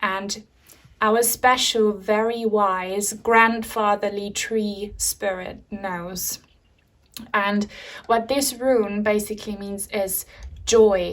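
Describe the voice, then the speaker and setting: Using a German accent, a woman speaks at a very slow pace in a monotone, flat intonation. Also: medium pitch for a woman. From Germany. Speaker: tarot reader. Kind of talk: pick-a-card tarot reading. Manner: calm, guiding.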